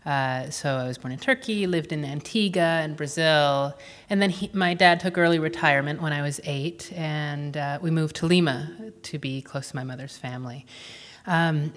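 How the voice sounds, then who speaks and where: A woman's voice: low voice, a bit bright. A woman in her forties who grew up in Peru, an author answering questions at a live event, thoughtful and full of fillers and restarts. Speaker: author and human rights advocate. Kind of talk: live onstage interview. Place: event hall before a live audience. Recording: live hall reverb.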